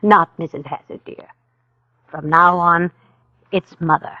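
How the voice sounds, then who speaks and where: An actress playing a gentle, wealthy older mother who talks in a soft, coaxing way, in a 1940s radio drama. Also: lowish voice, steady tone, a little slow, no room sound. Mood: tender. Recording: tinny narrow-band 1940s radio recording.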